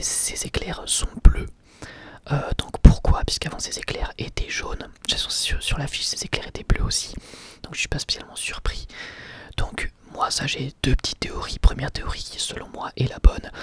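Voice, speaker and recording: Whispering man reviewing an anime episode. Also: on the high side. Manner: soft whisper throughout, casual with frequent hesitations; chatty, asks viewers for their opinions.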